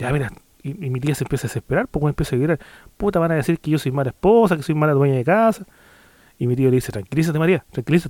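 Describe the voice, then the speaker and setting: A man with a Chilean accent speaks very fast at a fairly high pitch, his intonation lively. His tone is dark and mellow, and the sound is dry and close with no echo. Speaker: podcast host. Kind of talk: casual chat. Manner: animated storytelling.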